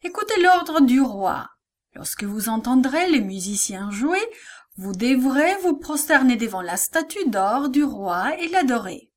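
A woman voicing a male royal herald who loudly proclaims an order in a storybook reading. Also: sits high, sing-song, measured pace, heavily acted. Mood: proclaiming. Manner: loud and declaiming.

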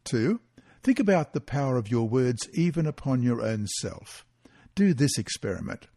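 A man reads a weekly Bible study lesson aloud in a measured, expressive way. His voice is mellow and slightly husky, with lively rises and falls in pitch, recorded dry and close. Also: no room sound.

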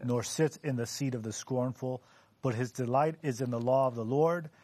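A man on a Bible discussion panel, speaking thoughtfully and reading scripture aloud at a measured pace. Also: medium pitch, steady tone, warm tone, no echo.

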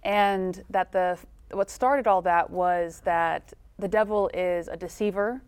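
A woman's voice: fairly low pitch, slow, a little mellow, clean tone. Thoughtful woman in a Bible chat. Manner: thoughtful, light laughs, affirming. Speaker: co-host. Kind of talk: casual Bible study discussion.

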